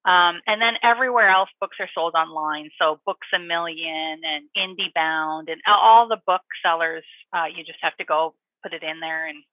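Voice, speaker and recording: A woman dog trainer and author chatting as an interview guest, animated and quick to laugh. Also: deep voice, no room sound, narrow, tinny audio. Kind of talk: interview guest, casual chat.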